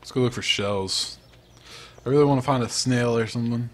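A man's voice: medium pitch, brisk. A young man giving casual, rambling, self-mocking commentary as he plays a farming video game. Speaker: let's play host.

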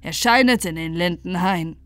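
A woman voicing a cold, grim knight who speaks loudly in chanting rhymes. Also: lowish voice, normal speed, no echo, voice pushed down, close to an everyday voice.

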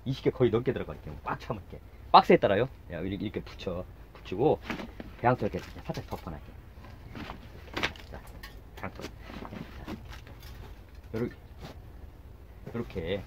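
A man's voice: lowish voice, animated, a little fast, pauses often, a little hiss or hum. A middle-aged man demonstrating garden work outdoors in a casual way, talking while he works, repeating short words and muttering asides. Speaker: gardening channel host. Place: outdoors by a house.

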